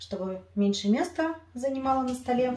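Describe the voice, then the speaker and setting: A woman talks with ordinary pitch variation, and the room echo is audible. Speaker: home cooking vlogger. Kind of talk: cooking tutorial. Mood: cheerful, smiling. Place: kitchen.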